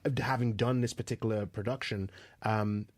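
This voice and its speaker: A man's voice: on the low side, fairly even intonation, moderate pace, darkish tone, no room sound. A man hosting a studio interview, eager and admiring as he searches for his words. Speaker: host. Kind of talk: conversational interview. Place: radio studio.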